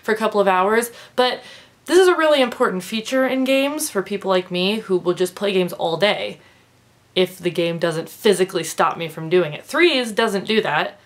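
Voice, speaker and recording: A woman's voice: mid-range voice, moderate pace. A woman in her twenties with a stuffed-up nose, chatting casually and rambling through her monthly favorites. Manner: chatty, rambling, with fillers and laughs. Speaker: vlogger.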